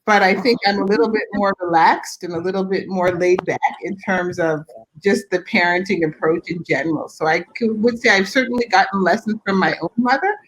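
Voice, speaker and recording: A woman's voice: medium pitch, fairly quick, slight background noise, low-quality recording. A middle-aged mother speaking as a panel guest, telling stories in a thoughtful, reflective way. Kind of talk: church panel conversation.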